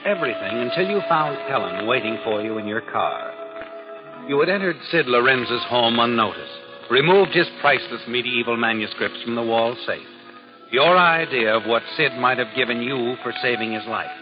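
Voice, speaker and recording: A man's voice: medium pitch, lively intonation, moderate pace, lightly acted. An American actor playing a sly, all-knowing narrator in a 1940s radio crime drama, needling his listener in a knowing, insinuating way. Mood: ominous, taunting. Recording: dull vintage 1940s radio broadcast, loud music. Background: dramatic music.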